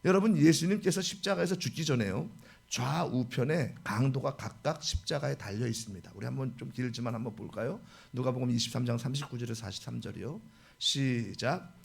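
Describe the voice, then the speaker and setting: A pastor preaching a sermon, telling the story with lively swings between loud exclamations and hushed asides. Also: male voice, medium pitch, brisk, gravelly, slightly rough.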